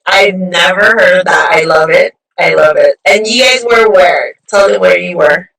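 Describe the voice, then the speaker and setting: A woman from Hawaii hosting a chatty live interview, bubbly and quick to laugh, on her phone. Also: on the low side, vocal fry, a bit bright. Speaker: show host. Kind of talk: casual live-stream interview. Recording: distant phone mic.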